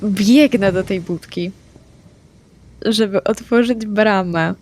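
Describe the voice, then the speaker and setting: A woman playing a tabletop game, stating her character's actions in a brisk, practical way. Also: mid-range voice, a little mellow. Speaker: player. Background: faint background music.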